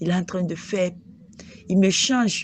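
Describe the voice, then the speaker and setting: A woman at medium pitch, with ordinary pitch variation and a moderate pace. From Africa. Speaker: viewer giving testimony. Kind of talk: testimony. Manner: halting.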